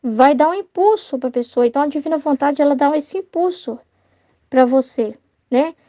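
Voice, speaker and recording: A woman's voice: high voice, normal speed, mellow, dry recording. A Brazilian woman leading an informal devotional study, chatting casually and tagging her sentences with "né?". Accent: Brazilian Portuguese. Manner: chatty, tags sentences with "né?", acts out everyday dialogue. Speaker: religious study teacher and child tutor. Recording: dull lo-fi dry sound.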